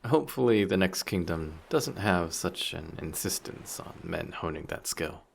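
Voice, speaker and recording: Very deep, smooth-talking flirty male sea monster acted by a man. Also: animated, moderate pace, full character voice. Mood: teasing, curious. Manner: polite, formal, teasing, self-assured. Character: handsome flirty, vain sea monster posing as a male passenger. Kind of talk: scripted roleplay audio drama.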